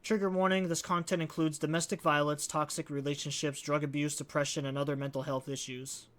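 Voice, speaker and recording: Wry man streaming, higher-pitched voice. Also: flat delivery, brisk, fairly bright tone. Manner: wry, conversational. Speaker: let's play streamer. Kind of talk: casual game commentary. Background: game music.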